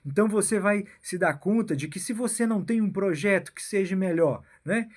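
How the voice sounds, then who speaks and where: A man with a Brazilian accent giving a rambling political monologue, tagging his phrases with a questioning "né?" and "my son" and often restarting himself. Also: sits high. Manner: keeps adding "né?" and "meu filho"; halting, repeats and restarts phrases. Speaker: political commentator.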